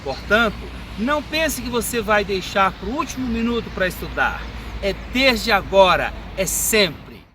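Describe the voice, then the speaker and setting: A Brazilian man in his fifties, a forensic medical examiner, answering interview questions in a measured, teaching manner. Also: high voice, animated. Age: 50s. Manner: measured, didactic. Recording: street and car noise behind.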